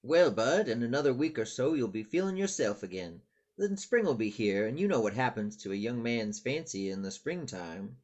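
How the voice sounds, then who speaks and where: Man playing a kindly doctor, lively delivery. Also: mid-range voice, moderate pace, muffled recording. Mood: calm, reassuring. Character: kindly, plain-spoken small-town family doctor. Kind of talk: virtual table read of a screenplay.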